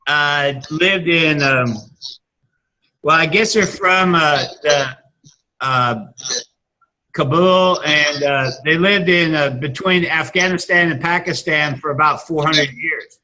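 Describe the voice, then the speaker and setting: A man, a teacher chatting casually and haltingly with many restarts and fillers. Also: fairly high pitch, sharp tone, low-quality recording. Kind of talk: casual video-call chat.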